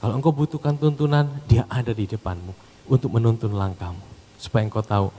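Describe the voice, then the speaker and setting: A pastor preaching a sermon. He rises to loud, emphatic calls and drops to soft, low asides. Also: fairly even intonation, a little fast, husky. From Indonesia. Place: church hall. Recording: long hall reverb.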